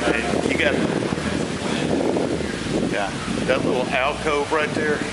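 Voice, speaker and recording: Loud background noise is heard throughout. Over it, a man speaks at a moderate pace. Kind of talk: casual exploration commentary. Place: tunnel cave. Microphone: phone near.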